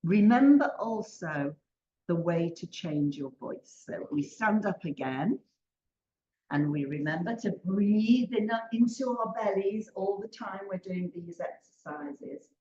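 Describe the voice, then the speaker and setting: An older woman training teachers, leading a slow, emphatic interactive drama exercise over a video call. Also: mid-range voice, animated, dark tone, roomy sound, muffled recording. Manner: slow, emphatic, leads call-and-response chants. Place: home room on a video call.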